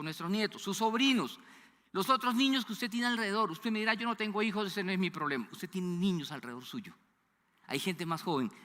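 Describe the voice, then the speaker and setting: A pastor in his fifties from Colombia, speaking Spanish with a Bogotá accent, delivers an animated sermon in a church sanctuary. He puts questions to the congregation and sometimes drops to a low hush, with long church-hall reverb on the recording.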